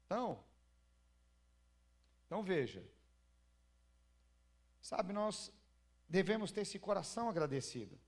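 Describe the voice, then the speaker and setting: A man's voice: high-pitched, sing-song, unhurried, pauses often. A Brazilian man preaching as pastor in a church, talking casually and retelling stories with questions to the congregation. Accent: Brazilian Portuguese. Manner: conversational preaching with acted-out anecdotes and rhetorical questions. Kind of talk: sermon.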